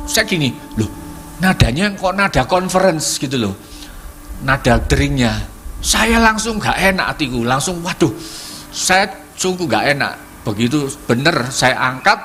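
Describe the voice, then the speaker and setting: A middle-aged man tells his testimony to a church gathering. He speaks in halting, repetitive phrases full of fillers, at a middle pitch. Music plays clearly underneath. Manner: halting, many fillers and repeats, searching for words. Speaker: congregation member giving testimony. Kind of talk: spoken testimony at a prayer service. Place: church hall. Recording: church service with music playing behind.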